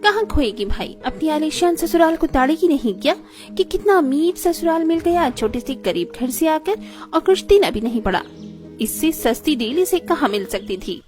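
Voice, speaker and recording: A woman voicing a rude, bratty young sister-in-law in an animated story, speaking in a taunting, snippy way. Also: sits high, normal speed, soft background music.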